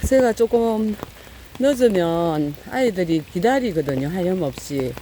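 A woman's voice: on the low side, animated, unhurried, mellow, poor audio. A middle-aged woman narrating casually outdoors as she feeds stray cats, with many fillers and a fond, coaxing voice when she calls to them. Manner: talks fondly to cats in a raised coaxing voice, lots of fillers. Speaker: cat-feeding vlogger. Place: outdoors in heavy rain. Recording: light rain noise outdoors. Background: rain falling.

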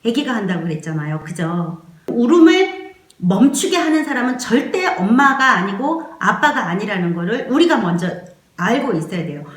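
A woman's voice: fairly high pitch, reverberant. A woman giving a spoken parenting lesson, explaining earnestly and acting out the soothing words she would say to a crying baby. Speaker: parenting educator.

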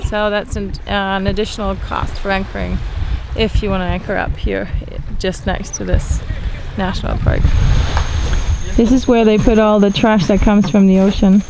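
A woman's voice: medium pitch, level tone, normal speed, vocal fry. A woman in her thirties giving casual travel narration as a vlog host. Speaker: sailing vlogger and host. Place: outdoors on a tropical shore. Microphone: handheld camera at arm's length. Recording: noisy outdoor recording with water and engine.

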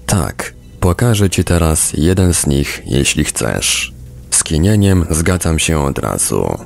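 A man's voice: a bass voice, big pitch swings, slow, vocal fry. A man reading a book aloud as scripted narration for a podcast. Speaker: audiobook reader, podcast narrator.

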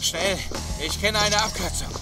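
An actor playing a resolute young street gang leader in an audio drama, speaking with urgent command. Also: male voice, high-pitched, moderate pace, lightly acted. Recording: music under the voice.

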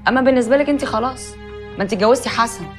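A woman's voice: a little high, very fast, soft background music, lightly acted. An actress as a stern scolding Egyptian woman. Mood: reproachful. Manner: reproachful. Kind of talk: TV drama acting.

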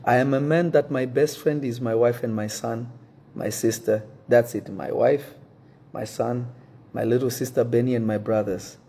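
A man in his thirties, a native French speaker talking in English, addressing his congregation to camera from an indoor room, earnest and measured, often restarting to choose his words. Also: mid-range voice, fairly even intonation, mellow, slight background noise. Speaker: pastor. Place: indoor room with wooden shelves.

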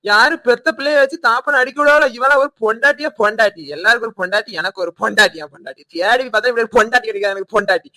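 A man's voice: extremely high pitch, pushed and bright, heavily acted. Man doing a defensive indebted husband. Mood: angry. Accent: Tirunelveli Tamil. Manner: fast, defensive, pleading. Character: idle indebted village husband and father. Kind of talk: animated cartoon voice acting.

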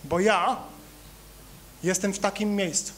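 Man, pastor, sermon, high voice, animated, conversational, faint background hum. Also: slow. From Poland. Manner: animated, swings between loud emphatic rises and quiet low asides; conversational, addresses congregation directly with humor. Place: church.

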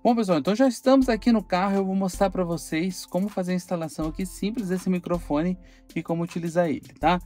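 A man's voice: sits high, fast, darkish tone, soft background music. Brazilian man demoing gear in his car. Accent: Brazilian Portuguese. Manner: chatty, explanatory, frequent "olha" and "tá?". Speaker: car channel host. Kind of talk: casual tutorial demo. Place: inside a parked car.

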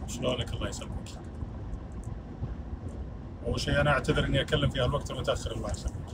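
Fast-talking young man in a car. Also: medium pitch, steady tone, far from the mic, very noisy. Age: young adult. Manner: very fast, polite and warm. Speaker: livestream host. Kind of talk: casual livestream chat. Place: inside a car at night. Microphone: phone camera at arm's length.

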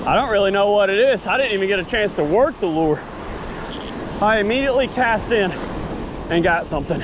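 A man hosting a fishing vlog, chatting casually and excitedly while casting and fighting fish from the surf. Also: sits high, fairly quick, highs cut off. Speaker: fishing channel host. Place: sandy ocean beach outdoors at sunrise. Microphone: chest-mounted action camera. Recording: outdoor action cam with surf noise. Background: surf and waves.

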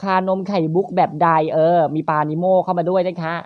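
A gaming channel host, giving playful, crude let's-play commentary in quick teasing banter. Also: flat delivery, no room sound, lo-fi sound. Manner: crude, teasing, rapid banter with frequent high laughs.

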